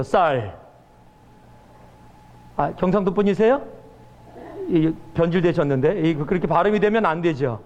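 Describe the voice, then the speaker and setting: A man's voice: sits high, a little mellow. A male pastor giving a sermon and telling stories with acted-out quotes. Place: church sanctuary. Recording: church hall reverb.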